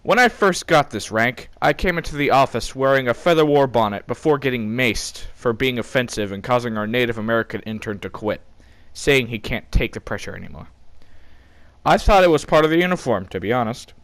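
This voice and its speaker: A man works as an informal storyteller, narrating comedy in the first person. His pitch sits in the middle for a male voice. The recording is dry, with little room sound. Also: expressive, a little fast, a bit bright, no echo.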